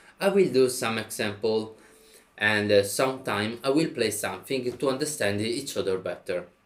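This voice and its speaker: In an Italian accent, a man of medium pitch talks at a moderate pace with lively intonation, and room echo is audible. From southern Italy (near Lecce). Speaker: guitar teacher. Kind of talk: lecture. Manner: halting.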